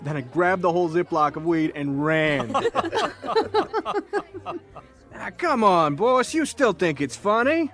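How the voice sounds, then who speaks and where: A chatty, boastful undercover cop in an audio drama. His voice sits a little high and moves around a lot as he spins his stories, over faint music. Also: animated, normal speed, a bit bright. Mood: amused. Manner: breezy, boastful storytelling. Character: cocky, chatty male undercover cop telling war stories.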